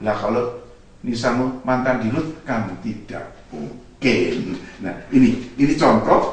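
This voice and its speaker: A man talks with lively intonation, his voice carrying audible room echo amid noticeable background noise. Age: 70s. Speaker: professor and former bank executive. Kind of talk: motivational talk. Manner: halting.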